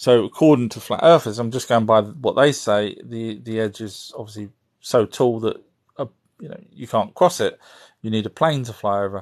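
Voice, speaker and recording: Over a quiet background, a man with a British accent speaks at a moderate pace and medium pitch, with ordinary pitch variation and big swings in loudness. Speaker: live-stream content creator and film maker. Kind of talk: live chat. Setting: live stream at home.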